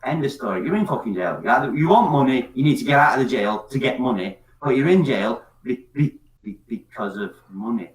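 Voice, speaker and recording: A man's voice: mid-range voice, lively intonation, brisk. A drunk man from Scotland, rambling and swearing through a casual online chat. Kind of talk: casual chat on an open call-in platform. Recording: echoey, distant mic.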